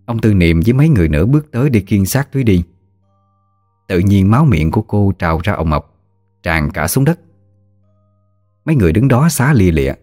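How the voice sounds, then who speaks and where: A man tells a ghost story in a steady, somber way. His voice is very deep, and soft music plays faintly underneath. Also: a little fast, pauses often.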